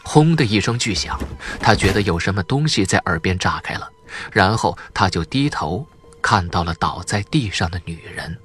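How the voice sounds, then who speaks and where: Low-voiced man narrating suspense, highly animated. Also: normal speed. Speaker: audiobook narrator. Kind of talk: dramatic scripted narration of a suspense novel.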